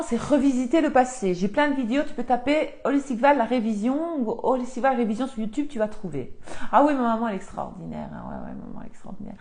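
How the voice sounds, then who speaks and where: A woman's voice: a little high, a little mellow, slight background noise. A woman, chatting on a live stream from her home office and answering viewer comments as a spiritual coach. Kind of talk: casual live-stream chat.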